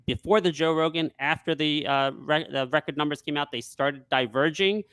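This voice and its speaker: A man who works as a stock trader, talking casually in a live market discussion and pitching his view with confident emphasis. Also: normal speed, fairly bright tone, clear, resonant tone, no echo, poor audio.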